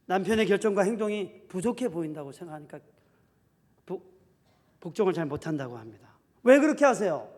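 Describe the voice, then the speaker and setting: A male pastor preaching an animated sermon in a church, acting out quoted husbands and wives as he goes. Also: sits high. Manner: animated preaching, acts out spouses' quarrels in quoted voices. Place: church sanctuary. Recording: reverberant church hall.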